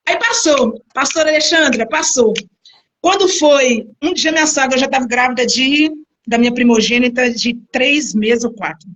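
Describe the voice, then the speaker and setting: A middle-aged woman pastor giving a personal testimony, telling her story in a lively way and acting out the people in it. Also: high-pitched, moderate pace. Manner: animated storytelling, acts out quoted people.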